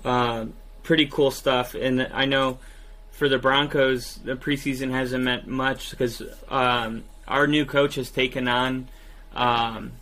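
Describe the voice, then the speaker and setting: Bright-toned male co-host, easygoing, quick to laugh, casual podcast chat. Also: medium pitch, little pitch movement.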